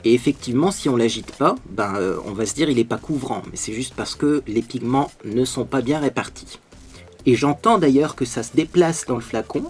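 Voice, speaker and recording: A man's voice: medium pitch, normal speed, darkish tone, soft background music. A man vlogging as he gets ready, chatting and explaining beauty products, with many fillers along the way. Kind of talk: get-ready-with-me vlog, product demo.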